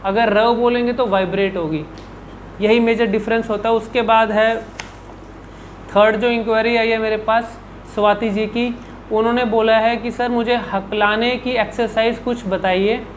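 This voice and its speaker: A man with a high voice and fairly flat pitch speaks at a moderate pace, with slight background noise on a low-quality recording. He is a speech and public speaking coach answering viewer questions in an instructional video, demonstrating each sound by repeating syllables and words.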